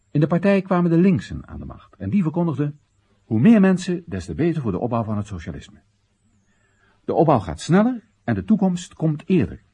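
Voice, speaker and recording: A man's voice: a little high, dark tone, breathy edge, exaggerated voice. An actor playing a wry Chinese everyman who narrates and questions his country's policies in a radio drama monologue, ironic, rhetorical and theatrical. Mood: rousing, declamatory.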